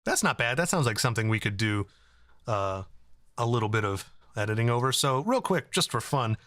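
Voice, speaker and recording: A man in his thirties hosting a casual software tutorial, explaining things in a conversational way. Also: medium pitch, animated, brisk, no room sound, faint music behind. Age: 30s. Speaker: tutorial host.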